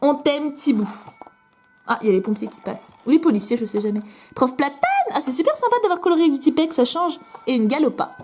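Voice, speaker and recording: A young woman chatting excitedly as she opens fan mail at home, with many fillers. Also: high voice, fast talker, a little hiss or hum. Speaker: vlogger opening fan mail. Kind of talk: casual unboxing chat.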